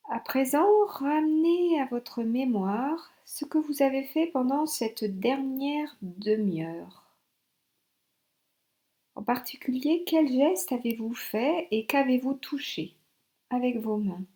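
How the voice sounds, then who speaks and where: Mellow higher-pitched woman guiding relaxation. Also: slow. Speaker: yoga nidra instructor. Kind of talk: guided relaxation meditation.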